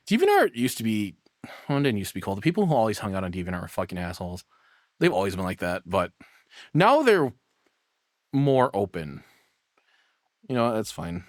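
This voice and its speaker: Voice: mid-range voice, huge pitch swings, moderate pace, pauses often, no room sound, clean studio sound. A streamer giving casual off-the-cuff reactions, blunt, rambling and foul-mouthed.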